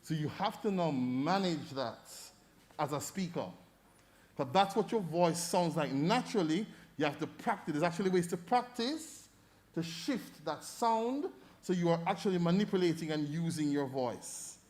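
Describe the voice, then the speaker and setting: A middle-aged Jamaican man giving feedback as a debate judge, animated and fond of demonstrating voices as he coaches. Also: fairly high pitch, moderate pace. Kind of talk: feedback speech to an audience.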